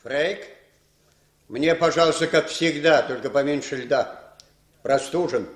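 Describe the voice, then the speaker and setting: An actor playing a commanding male spy chief who speaks in a smooth, controlled, condescending way. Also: fairly high pitch, measured pace, lightly acted. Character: cool, commanding male spymaster boss.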